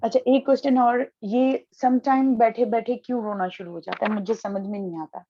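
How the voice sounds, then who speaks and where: A mother of an autistic child talking in an animated way about her son's crying and what she tries. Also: a little high, dull audio, a little hiss or hum. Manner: animated, storytelling, worried. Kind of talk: casual conversation, describing her experience.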